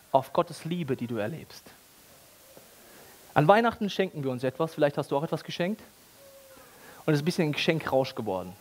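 Lively, high-voiced German preacher. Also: male voice. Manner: animated, jokey, acts out scenes in voices. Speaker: pastor. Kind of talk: lively sermon.

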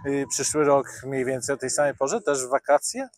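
Calm middle-aged interviewer man. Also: mid-range voice, moderate pace, no room sound, clean studio sound. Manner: calm, sums up answers with follow-up questions. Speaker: newspaper interviewer. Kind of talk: outdoor interview. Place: garden outdoors in summer. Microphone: lapel mic.

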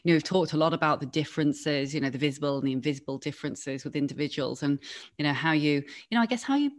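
A woman's voice: sits low, fast talker. A young woman hosting a podcast over a video call on a headset, asking long questions full of fillers. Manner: rambling, hesitant questions with many fillers. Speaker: podcast host.

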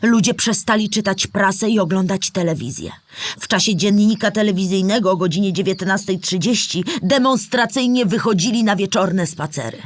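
A woman's voice: medium pitch, natural voice. A woman playing an older storyteller who remembers the war, explaining history patiently in a scripted audio drama for children.

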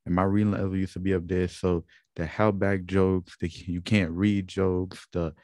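A young Guyanese man hosts a personal testimony vlog, earnestly recounting his own experiences with many fillers and restarts. His low voice is flat and darkish, at a normal speed. The recording is clean studio sound with no room echo.

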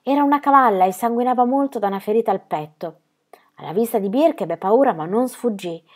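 A woman reading a children's story aloud, measured and expressive, with hushed, sad passages. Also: a little high. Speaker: narrator.

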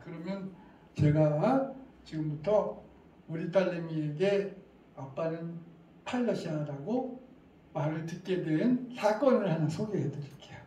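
A middle-aged man with a fairly high, mellow voice gives an interactive lecture at a parent education session, quizzing the audience and chuckling as he goes. The sound comes from a distant mic in an echoey hall with faint ambience.

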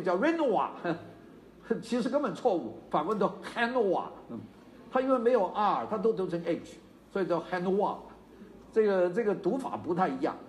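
An older male lecturer with a Chaozhou-tinged Mandarin accent, voice sitting fairly high and swinging widely in pitch. He talks in an animated, digressive way, scattering fillers and side stories through the lecture. Faint room noise hums under him. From China. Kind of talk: university lecture.

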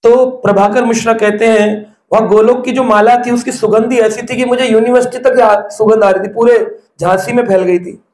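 A man's voice: high-pitched, fairly even intonation, normal speed, few pauses, a little mellow, roomy sound. A man giving a devotional discourse, telling stories and asking the listeners rhetorical questions. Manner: storytelling, asks rhetorical questions. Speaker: preacher.

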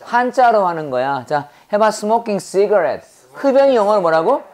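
Brisk woman drilling students in class. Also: medium pitch, expressive, darkish tone. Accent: Korean. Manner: quizzing students with rapid rhetorical questions; drills English phrases slowly and deliberately. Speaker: English teacher. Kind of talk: classroom grammar lecture.

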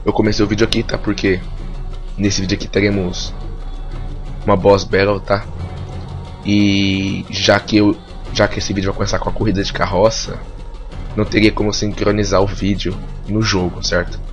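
Here a Portuguese-speaking man from Brazil gives relaxed commentary on his let's play, sounding strained, like someone with an inflamed throat and swollen tonsils. His lowish voice is delivered flatly at a moderate pace. The highs are cut off, and faint music plays behind him.

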